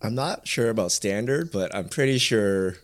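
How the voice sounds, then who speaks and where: Low-voiced man, under the weather. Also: expressive, normal speed. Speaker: podcast regular, site owner. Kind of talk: casual podcast chat.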